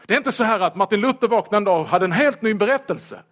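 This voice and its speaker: A man preaching a sermon in church, lively and humorous, asking rhetorical questions of the congregation. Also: high voice.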